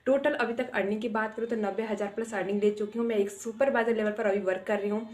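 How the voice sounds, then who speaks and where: A young woman from Dehradun giving a brisk testimonial, running through points one after another. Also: medium pitch, steady tone, darkish tone. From Dehradun, Uttarakhand, India. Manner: brisk, list-like phrasing. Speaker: network marketing member. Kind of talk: testimonial self-introduction. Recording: echoey room.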